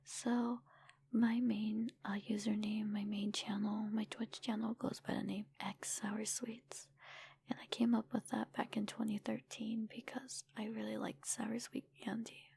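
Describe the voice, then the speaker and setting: A woman speaks in a breathy, rambling ASMR whisper, chatting informally to viewers. Her delivery is quite flat and noticeably crackly with fry. She is close to the mic, with a faint noise behind her. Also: medium pitch, a little slow. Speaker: ASMR creator and streamer answering viewer comments. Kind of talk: whispered ASMR casual chat.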